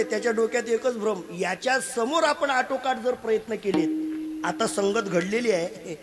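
A man giving a devotional kirtan sermon, preaching with humor, repeated sayings and laughing asides before a live audience. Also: high-pitched. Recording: live recording with crowd sound. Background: listening audience.

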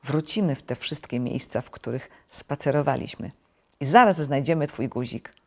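A woman voicing a cheerful, eager young male frog with bright exclamations. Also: a bass voice, normal speed.

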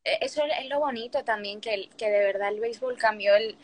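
A woman's voice: a little high, brisk. A young woman in her twenties with a Spain Spanish accent, chatting casually on a phone live stream and switching between Spanish and English. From born in Puerto Rico, raised in Spain. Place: small room indoors. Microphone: phone front camera, close.

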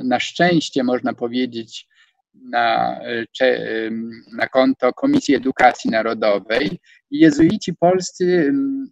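A man in his sixties giving an online lecture from a home study, hesitating with many fillers and stressing words with rising pitch. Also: no room sound. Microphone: video call. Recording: dull, dry video-call audio.

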